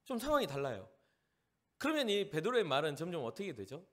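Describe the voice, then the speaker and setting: A man from Jeolla, South Korea, preaching as a pastor at a youth service, animated and acting out the people he describes. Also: on the high side, fast. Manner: animated, acts out the lines of the people in the story.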